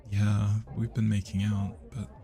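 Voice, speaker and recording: Shy, smitten British student, played by a man, low and gravelly, soft hesitant ASMR delivery with party music behind. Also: flat delivery, unhurried. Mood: puzzled, curious. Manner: soft, hesitant, breathy sighs and whispers. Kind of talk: intimate roleplay ASMR acting. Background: party music and crowd chatter.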